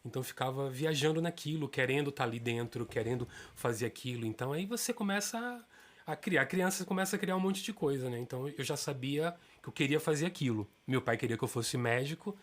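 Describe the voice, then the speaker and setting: A man in his fifties from Salvador with a Bahian Brazilian accent, telling his life story as a guest in a relaxed interview. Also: fast. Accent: Bahian Brazilian Portuguese. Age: 50s. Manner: animated storyteller, pitch rises when excited. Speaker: guest, stage actor.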